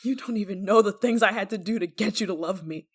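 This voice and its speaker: A woman acting an obsessive, guilt-ridden lover in an ASMR roleplay monologue, with halting, pleading, stammering delivery. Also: mid-range voice, husky. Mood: bitter, sorrowful.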